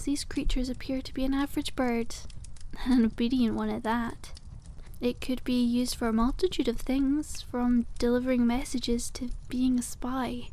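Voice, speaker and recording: A woman playing a cute, cheerful young witch who keeps a dragon egg shop, speaking softly and politely in an ASMR roleplay as she gently pitches her wares to a customer. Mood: informative, proud. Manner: gentle sales patter, quaint polite wording. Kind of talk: soft-spoken ASMR roleplay, one-sided conversation with a customer.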